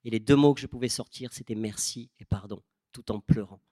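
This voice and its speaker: A young preacher from southern France speaks with a noticeable southern French accent, telling his story in an animated way and slipping into other people's voices when he quotes them. His voice sits at a middle pitch and sounds dry and close, with little room sound. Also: fast talker, no room sound. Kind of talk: sermon.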